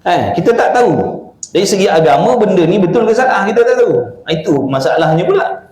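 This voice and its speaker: A man from Malaysia with a Malaysian Malay accent giving a religious lecture, reading from a book and explaining it with lively swings of pitch and rhetorical questions. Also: brisk. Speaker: religious teacher. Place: religious study house. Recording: echoey room.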